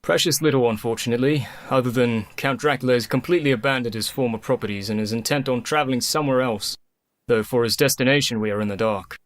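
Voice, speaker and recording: An actor playing a methodical young doctor in a radio play, brisk and matter-of-fact. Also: male voice, mid-range voice, no room sound, natural voice. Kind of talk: community radio play acting.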